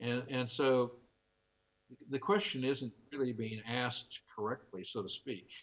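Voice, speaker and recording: Spoken with an American accent at a fairly slow pace, with ordinary pitch variation. It is an ordinary speaking voice. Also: man, medium pitch for a man. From US, San Francisco. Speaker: creation scientist answering viewer questions. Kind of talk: live TV Q&A answer. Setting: remote link on live TV.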